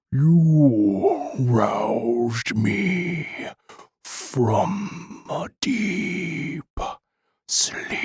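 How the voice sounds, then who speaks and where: Very slow and growling, a put-on character voice sits at a middle pitch. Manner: very slow, deliberate.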